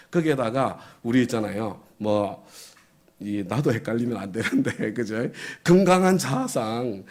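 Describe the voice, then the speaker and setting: A man's voice: mid-range voice, a little mellow. A middle-aged man preaching a sermon as pastor, conversational, often asking the congregation questions and chuckling.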